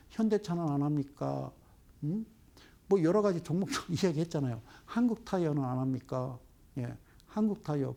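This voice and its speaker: A man's voice: on the high side, gravelly, dark tone, husky. A man giving investment broadcast commentary, scolding viewers with rhetorical questions. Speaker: stock market commentator.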